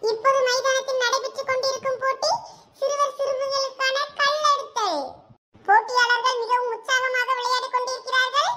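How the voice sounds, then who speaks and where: A woman with a Thoothukudi Tamil accent voicing a formal announcer at a village sports meet in a cartoon, calling out races slowly from a distance. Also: very high-pitched, little pitch movement, a faint crowd, pitched above the performer's own voice. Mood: formal announcing. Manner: formal, slow, announcing over a loudspeaker. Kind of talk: cartoon voice acting.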